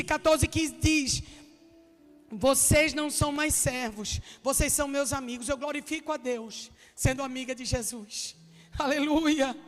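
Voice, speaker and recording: A woman preacher with a Northeastern Brazilian accent, giving a jokey, chatty sermon that bursts into shouts. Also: sits high, long reverb tail. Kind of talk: lively humorous sermon. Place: church hall.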